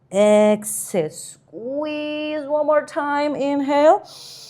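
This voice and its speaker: A woman with a non-native accent and lively intonation. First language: not English. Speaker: pilates instructor. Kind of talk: guided workout instruction. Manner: calm, breath-cued pacing.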